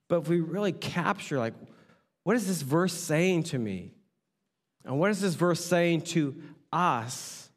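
A man preaching to his congregation as pastor, talking in a casual, animated way. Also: on the high side. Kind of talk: sermon. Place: church sanctuary. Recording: long hall reverb.

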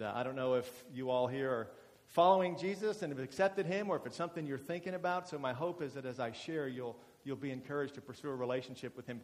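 A man in his forties giving a chatty, self-deprecating testimony as a guest speaker at a church, with many fillers and restarts. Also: medium pitch. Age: 40s. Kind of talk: testimony talk to a congregation. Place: church meeting hall. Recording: reverberant church hall.

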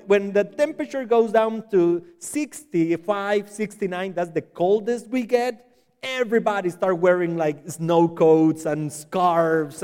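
A man in his thirties from Nicaragua, a Spanish native speaker with a Spanish accent, preaching in halting English with frequent restarts. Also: sits high, a little mellow, clear, resonant tone. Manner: halting, self-correcting second-language English. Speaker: visiting missionary preacher. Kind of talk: sermon with personal introduction. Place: church sanctuary. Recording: large hall with long reverb.

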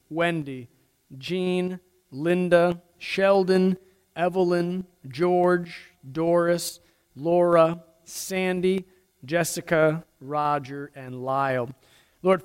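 A man's voice: on the high side, clean tone. A man with an American accent, a pastor solemnly leading formal prayers and liturgy in a church service. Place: large church interior during a service. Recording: echoey hall with long reverb.

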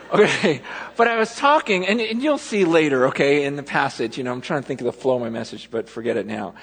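A man's voice: a little high, husky. A man preaching a sermon as pastor, telling personal stories in a loose, self-interrupting way that loses its thread and circles back. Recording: long reverb of a large hall.

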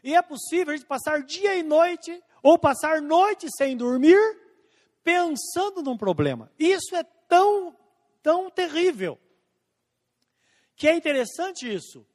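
High-voiced preacher in a reverberant hall. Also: male voice, very animated. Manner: preaching with emphatic rising and falling delivery, slowing on scripture quotes. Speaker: pastor. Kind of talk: sermon.

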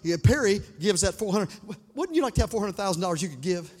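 Guy preaching loud, really high voice, big church reverb, half singing half shouting at the crowd. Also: very animated, quick pace. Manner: fervent preaching with shouts and sung phrases; calls on the congregation for responses. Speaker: pastor. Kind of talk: sermon. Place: church sanctuary.

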